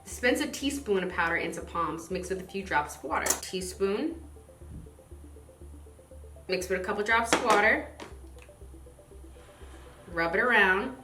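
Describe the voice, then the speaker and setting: A woman's voice: medium pitch, animated, unhurried, long pauses, roomy sound, over music. A woman from the southern United States chatting casually to camera as a skincare reviewer, in a bubbly, playful manner. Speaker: skincare vlogger and product reviewer.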